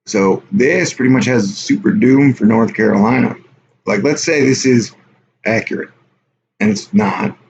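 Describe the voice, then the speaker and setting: A man's voice: mid-range voice, animated, measured pace, vocal fry, a little mellow. A man hosting a casual live stream, rambling offhand and reading viewer chat aloud. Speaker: livestream host. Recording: dull lo-fi stream audio with faint hiss.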